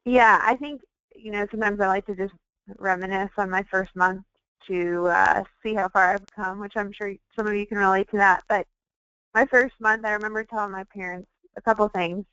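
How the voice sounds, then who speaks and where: Clear-voiced woman, candid, on lo-fi audio. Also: medium pitch, fairly even intonation, normal speed, fairly bright tone, no room sound. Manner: candid, informal storytelling. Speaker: webinar guest, sales team member. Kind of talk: conversational personal testimonial. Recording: dull, lo-fi webinar audio.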